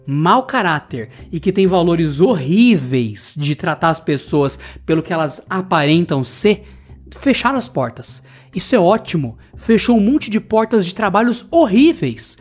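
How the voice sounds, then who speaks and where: A man's voice: high voice, a little mellow, slightly rough. A man with a Brazilian Portuguese accent hosting a solo podcast, telling a story in a blunt, profane, indignant rant. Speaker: podcast host. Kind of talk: solo podcast monologue, ranting anecdote.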